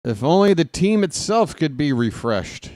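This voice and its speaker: A wry man in his 40s with a smooth, slightly high voice calls baseball at a somewhat slow pace, as a fan play-by-play broadcaster doing casual live coverage with rambling commentary. Between calls he grumbles and offers sarcastic asides, and he gets loud and animated when ranting. The recording is dry and of studio quality.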